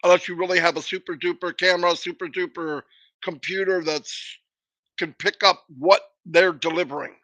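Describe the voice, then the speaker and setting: A man's voice: high voice, steady tone, normal speed, sharp tone, no echo. A man hosting a motivational livestream, emphatic and repetitive, with a runny nose and a cough. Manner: emphatic, repetitive, preachy pep talk. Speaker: livestream host.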